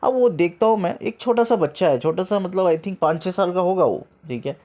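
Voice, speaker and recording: A man's voice: high-pitched, brisk. Man telling spiritual stories. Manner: lively storyteller mixing in English words; repeats himself often to stress a point. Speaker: spiritual coach. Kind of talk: storytelling talk.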